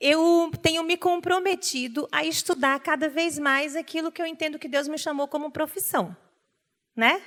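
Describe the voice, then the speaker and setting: A woman with a high pitch speaks in a Recife accent on a very clean recording with a silent background. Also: ordinary pitch variation, moderate pace. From Recife, Brazil. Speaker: educator, school association director. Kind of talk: church lecture. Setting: church.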